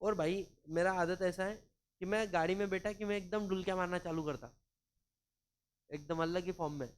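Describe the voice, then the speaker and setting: High-voiced man teaching with a tinge. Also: fairly even intonation, normal speed, smooth. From Maharashtra, India. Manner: chatty, mixes in English, acts out anecdotes. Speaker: law teacher. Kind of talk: casual classroom lecture.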